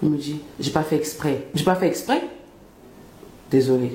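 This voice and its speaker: A woman talks with a very deep, low pitch and fairly even intonation. Audible room echo and noticeable background noise fill the recording. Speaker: vlogger giving relationship advice. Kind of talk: casual storytelling vlog. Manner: soft-spoken.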